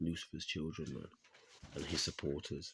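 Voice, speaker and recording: A quiet, somewhat breathy man with a very deep, low pitch, a moderate pace and fairly even intonation. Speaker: online preacher. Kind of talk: religious teaching; reading aloud. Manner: casual.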